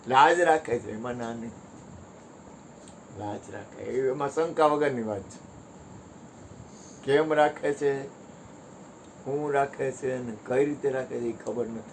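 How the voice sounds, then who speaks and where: A man's voice: mid-range voice, unhurried, pauses often, slight background noise. A man giving a devotional satsang talk in a folksy, conversational way, joking with his listeners. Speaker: satsang speaker.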